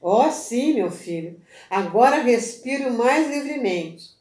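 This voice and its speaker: A woman reading as a dying, gentle man. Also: on the high side, expressive. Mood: weary calm. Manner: soft, slow, breathy pleading. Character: dying middle-aged man, weak, gentle, faithful. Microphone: phone. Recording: echoey room on a phone.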